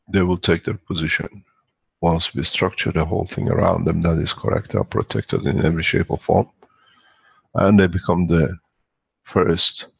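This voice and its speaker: Deep, gravelly man on a dull call line. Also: dry recording. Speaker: host. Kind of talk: speech on an online call.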